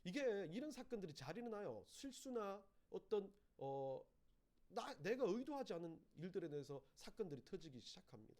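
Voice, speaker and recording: Male preacher, storytelling sermon delivery, high and animated. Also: normal speed. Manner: animated storytelling, acting out quoted voices. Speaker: pastor.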